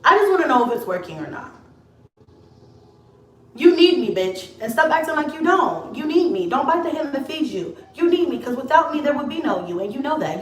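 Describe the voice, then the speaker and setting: A young woman with a high voice delivers a blunt, profane vlog rant aimed straight at a rival. She sits some way back from the mic, so the room rings around her words. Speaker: YouTuber. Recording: echoey room, mic at a distance.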